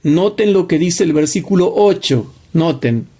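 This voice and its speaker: A man with a high-pitched voice leads a Bible study lecture at an unhurried pace. He drives his points home emphatically, repeating phrases and firing rhetorical questions at his listeners. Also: expressive, mellow, slightly rough. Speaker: Bible teacher.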